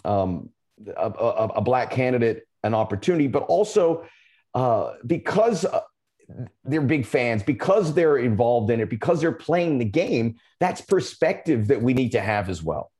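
A man from Miami hosting a soccer podcast, who stops and restarts as he hunts for the right words. His voice is at a medium pitch. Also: sing-song, a little mellow. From Miami, United States. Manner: halting, searches for words with many fillers. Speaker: podcast host. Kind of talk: podcast interview.

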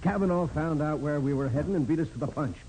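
A man's voice: a little high, expressive, quick pace, warm tone. An actor playing a blunt, slangy, overconfident police sergeant, a man in a 1940s radio crime drama. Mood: sure, impatient. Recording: noisy vintage 1940s radio recording.

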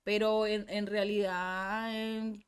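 A woman's voice: medium pitch, level tone, takes it slowly, clear, resonant tone. A young woman with a Medellín Colombian Spanish accent, chatting casually as a podcast guest, rambling with many fillers and restarts.

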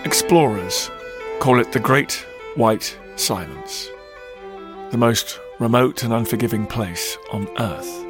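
A man's voice: medium pitch, animated, slow. Male narrator, documentary podcast host, dramatic emphatic read, music bed under voice. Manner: dramatic, emphatic storytelling delivery. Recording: narration over loud music.

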